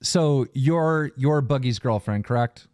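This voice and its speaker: A man hosting a casual podcast, telling a story with animated energy and laughing into it. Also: medium pitch, slow.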